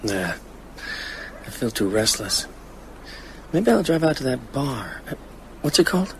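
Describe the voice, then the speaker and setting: A man's voice: medium pitch, big pitch swings, measured pace, slight background noise, rough recording. An actor playing a brooding, reserved widowed man in an understated, hesitant way in a radio drama. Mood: uneasy.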